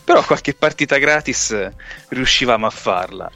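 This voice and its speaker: A man's voice: medium pitch, lively intonation, moderate pace, pushed and bright. A middle-aged man from Tuscany in casual, colloquial conversation, reminiscing and now and then swearing. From Italy, near Grosseto in Tuscany. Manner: colloquial, mildly profane. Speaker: podcast co-host. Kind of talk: casual chat, reminiscing about arcade games. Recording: dull lo-fi audio with music. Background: music.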